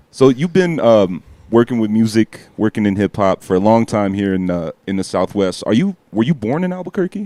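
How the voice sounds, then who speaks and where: Loud and with a dark, mellow tone, a man talks at a fairly quick pace with hardly any pauses and very wide pitch swings, recorded dry and close with no echo. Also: medium pitch for a man. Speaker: podcast host. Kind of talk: casual chat. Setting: recording studio.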